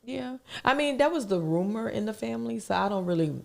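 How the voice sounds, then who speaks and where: A woman co-hosting a podcast in casual chat, her voice raspy from being under the weather, talking chattily and laughing often. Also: fairly high pitch, animated, brisk, a little mellow. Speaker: podcast co-host.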